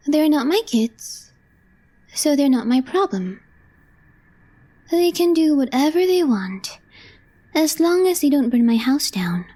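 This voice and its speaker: A woman playing a calm, deadpan young female coworker with a crush in an ASMR roleplay, speaking softly and breathily in measured, short phrases. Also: sits high. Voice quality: soft, breathy, half-whispered. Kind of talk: intimate ASMR roleplay, scripted.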